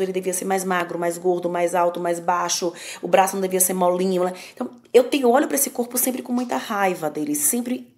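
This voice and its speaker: A woman's voice: medium pitch, a little mellow. A woman with a Brazilian Portuguese accent, a psychoanalyst guest talking candidly and emphatically on a podcast. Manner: candid, emphatic, self-mocking. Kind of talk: conversational podcast talk.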